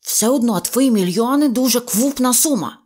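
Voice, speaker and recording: A woman's voice: fairly high pitch, lively intonation, moderate pace, darkish tone, breathy edge, voice pushed up. A woman voicing a stingy old rich man who lisps, swapping r for f, and whines and grumbles while haggling. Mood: grumbling. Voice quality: lisping, says f instead of r. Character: stingy rich old male shorty, whiny and stubborn.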